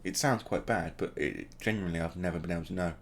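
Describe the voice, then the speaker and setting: A man's voice: low voice, fast, vocal fry. A man hosting a gaming video, casually commentating the play as it happens and adding joking asides. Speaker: gaming channel host.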